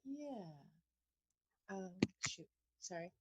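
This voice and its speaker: A woman's voice: medium pitch, lively intonation, extremely slow, highs cut off, noisy background. Woman reading audience questions aloud.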